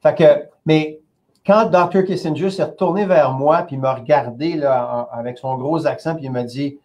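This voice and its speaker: Interview guest, Québécois man in his 50s, lively storyteller, a bit high-pitched. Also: normal speed. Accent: Québécois French. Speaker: company president, interview guest. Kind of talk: casual anecdote telling.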